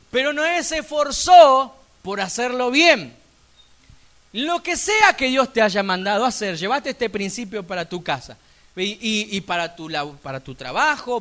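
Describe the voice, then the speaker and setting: Bright high-voiced Argentine preacher. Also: male voice. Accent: Argentine Spanish. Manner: emphatic preaching with sudden loud, rising peaks and conversational asides. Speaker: pastor. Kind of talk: sermon. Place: church.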